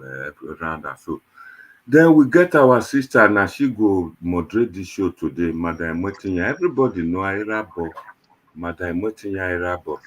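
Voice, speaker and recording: A Nigerian man hosts a panel show in easygoing Nigerian Pidgin. His voice sits very low and has a rough, husky grain. He talks conversationally to viewers, rambling and repeating himself as he goes. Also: fairly bright tone. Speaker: host of an online diaspora panel show. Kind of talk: casual show introduction to viewers.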